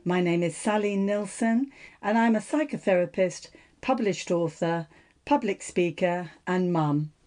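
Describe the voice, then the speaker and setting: A woman's voice: fairly low pitch, lively intonation, a little slow, a little mellow. A woman of about sixty, hosting an interview podcast in an encouraging, polite, effusive manner. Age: around 60. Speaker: podcast host and psychotherapist. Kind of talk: scripted intro and chatty interview hosting.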